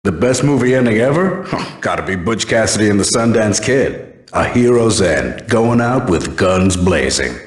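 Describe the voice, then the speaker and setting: A man's voice: fairly low pitch, animated, moderate pace, lightly acted. A man playing a chatty, laid-back goon in a video game, conversational and a bit boastful. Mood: enthusiastic. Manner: conversational, musing. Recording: echoey room, long reverb.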